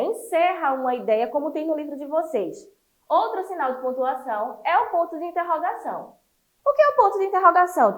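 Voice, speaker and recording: Brazilian teacher lady, high voice, super expressive, walking kids thru a lesson. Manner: lively, encouraging, explains step by step. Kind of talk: online class for children.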